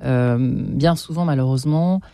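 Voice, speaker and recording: A woman hosting an interview, asking halting questions with many restarts. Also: rumbling low, vocal fry, dark tone, no echo, clean studio sound. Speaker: interviewer, host. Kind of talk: interview conversation.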